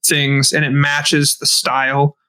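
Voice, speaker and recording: Give me an enthusiastic male podcast co-host with a high, bright voice. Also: completely flat delivery, slow, clear, resonant tone. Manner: enthusiastic, rants in bursts with swearing. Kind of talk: casual podcast chat.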